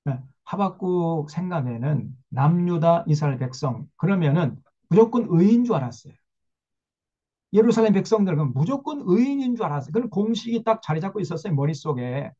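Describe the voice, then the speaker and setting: A man's voice: fairly high pitch, animated, fairly quick, mellow, breathy edge, dull audio. A male pastor preaching a sermon emphatically, with rhetorical questions.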